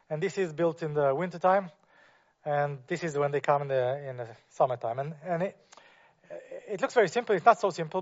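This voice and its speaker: A man presenting his architecture projects to an audience, speaking non-native English with many fillers and restarts. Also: high voice. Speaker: architect giving a talk. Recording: muffled, lo-fi.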